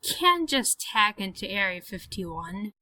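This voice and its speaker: A woman's voice: medium pitch, sing-song, a little slow, pushed and bright, dry recording, rough recording. A woman playing a practical, sceptical young woman in an audio drama, emphatic and easily incredulous.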